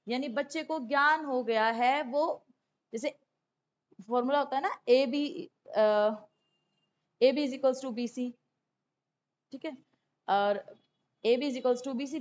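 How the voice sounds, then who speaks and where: A woman with a hoarse, sore throat, teaching an exam-prep lesson in an explanatory way and mixing in English terms. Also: fairly high pitch. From India. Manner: instructive, checks in with "okay", mixes in English terms. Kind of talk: explanatory exam lesson, going through questions. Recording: dull lo-fi sound.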